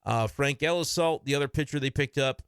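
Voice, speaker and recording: A man's voice: medium pitch, brisk, a bit bright, smooth, no echo, studio quality. A man giving casual, frank solo commentary on his baseball team from his computer desk, talking in an opinionated, conversational way.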